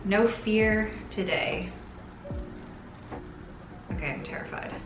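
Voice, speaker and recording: Taking it slowly in a medium-pitched voice, a sewing vlogger in her twenties chats casually, sounding playful, bubbly, and given to exaggeration. Music plays behind her, and the recording has a roomy echo.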